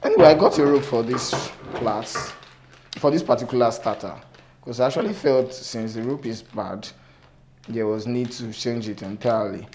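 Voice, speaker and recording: A man instructor with a cracked, sore-throated voice, giving an informal hands-on repair tutorial in a halting, repetitive way. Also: mid-range voice, a little mellow. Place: indoor workshop table. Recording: noticeable background noise, clicks.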